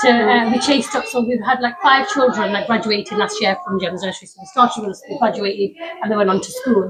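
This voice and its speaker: Over noticeable background noise, a woman speaks at a very fast pace in a high pitch with very wide pitch swings. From Newcastle, northeast England. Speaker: nursery owner. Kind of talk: interview.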